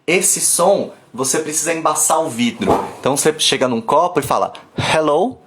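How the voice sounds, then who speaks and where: A man's voice: fairly high pitch, brisk, reverberant, background noise. Chatty Brazilian man teaching on a phone. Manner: chatty, lively, breaks off and demonstrates sounds. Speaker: English teacher. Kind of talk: live online pronunciation class. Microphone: phone camera.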